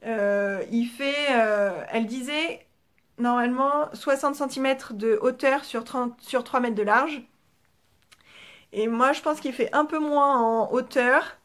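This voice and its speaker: A woman hosting a knitting podcast in casual show-and-tell chat, with a French accent, chatty and relaxed, with many fillers and trailing asides, talking toward a camera. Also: on the high side, slow. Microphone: camera facing the speaker.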